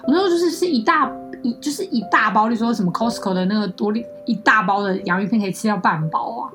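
A young woman speaks quickly in Taiwanese-accented Mandarin, rambling through her stories with fillers and restarts. Her voice sits a little high, and she keeps the pace brisk. Faint music plays underneath. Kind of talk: casual chat.

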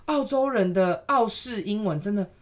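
A woman's voice: mid-range voice, expressive, moderate pace. A woman with a Taiwanese accent giving casual conversational advice in an explanatory, emphatic way, often repeating phrases for emphasis.

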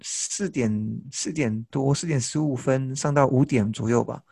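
A man from Taiwan co-hosting a podcast, casually recalling high school days. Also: slow, gravelly, darkish tone, slightly rough. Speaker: podcast co-host. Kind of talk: casual chat lesson.

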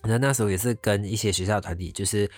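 Animated man telling a story. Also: lowish voice, dry recording, soft background music. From Malaysia. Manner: animated, mixes English words into Mandarin, drawn-out exclamations. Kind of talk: casual storytelling.

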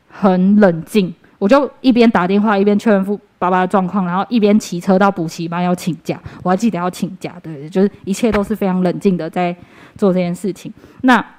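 A woman's voice: mid-range voice, a little mellow. A young woman with a Taiwanese Mandarin accent, giving a personal church testimony in an earnest, conversational way, with fillers and restarts.

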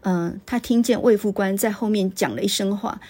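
Husky-voiced woman retelling a story. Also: medium pitch, moderate pace, warm tone. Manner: conversational, frequent filler particles. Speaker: literature podcast host.

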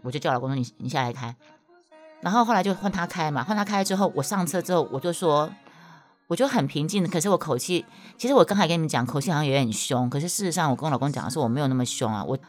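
Animated Taiwanese-accented woman storyteller. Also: racing. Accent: Taiwanese Mandarin. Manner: animated, emphatic, voice jumps high when worked up. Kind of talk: casual storytelling to listeners.

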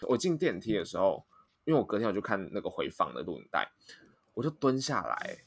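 A man's voice: deep voice, a little fast, gravelly, husky. A young man, co-hosting a podcast and rambling through a story with lots of restarts. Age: young adult. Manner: rambling, restarts often, animated retelling. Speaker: podcast co-host. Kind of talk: casual storytelling chat.

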